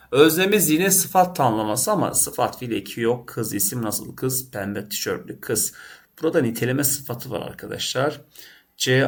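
Working through test questions aloud, a male Turkish teacher asks each one and then answers it himself, often turning to speak to his students. He has a medium pitch with vocal fry.

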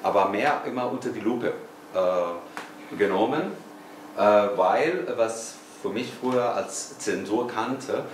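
An older man with a Spanish accent speaks slowly and haltingly, searching for his words. His voice sits low. He is caught from across an echoey room, off the mic, with steady noise behind him. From Spain. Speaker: audience member. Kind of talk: audience question in a panel discussion. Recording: echoey room, voice from far off, noisy.

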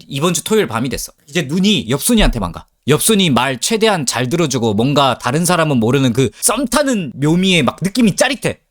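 A man's voice: a little high, fairly quick, hardly any pauses. A man telling a comedic dating story, acting out both sides and swearing freely as he goes. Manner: animated, acts out both sides with crude slang. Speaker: storyteller host.

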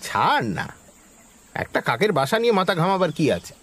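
An actor playing a brisk, dismissive village man in a Bengali horror audio drama. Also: high voice, very animated, a bit bright, slight background noise. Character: Birja, brisk, easily annoyed village man, narrator's friend.

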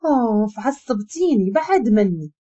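A woman voicing a sharp, hurt young wife, speaking with a Moroccan accent in a clipped, pleading way. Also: a little high, sing-song, moderate pace, husky. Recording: dull lo-fi recording.

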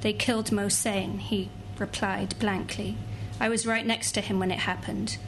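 A woman's voice: medium pitch, little pitch movement, normal speed, a little hiss or hum, low-quality recording. Young woman reading a novel aloud. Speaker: translator reading extracts. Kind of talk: literary reading. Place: bookshop event. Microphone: table mic.

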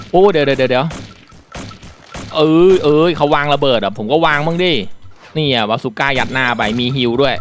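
A man with a fairly high-pitched voice talks through a mobile shooter in a relaxed, polite tone. Once the match starts he reacts loudly and excitedly to every hit and near miss. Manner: polite explaining that turns into excited exclaiming during play. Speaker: mobile game reviewer. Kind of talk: casual gameplay commentary.

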